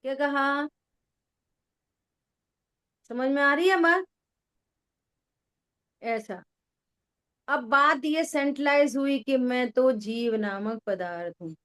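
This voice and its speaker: Slow-spoken woman teaching scripture. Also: high voice, fairly bright tone, clean tone. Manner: asks listeners questions, repeats key words. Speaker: spiritual teacher. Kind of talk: slow religious discourse with listener check-ins.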